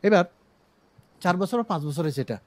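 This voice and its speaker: A middle-aged man with a Chittagong Bengali accent, teaching an online English pronunciation class from his own studio, explaining slowly and having students repeat words. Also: high-pitched, expressive. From Bangladesh.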